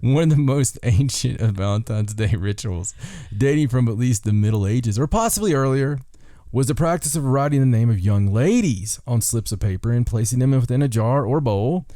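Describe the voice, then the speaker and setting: A man's voice: mid-range voice, animated, normal speed, warm tone, dry recording. A man hosting a podcast, reading out folklore in a casual way with dry, joking asides. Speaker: podcast host.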